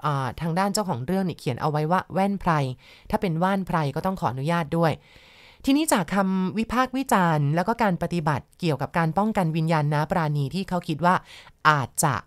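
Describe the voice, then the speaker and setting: A woman's voice: lowish voice, expressive, fast, no echo, studio quality. A woman host narrating a ghost story in a polite, conversational way, with asides to her listeners. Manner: polite, conversational, adds soft particles and asides.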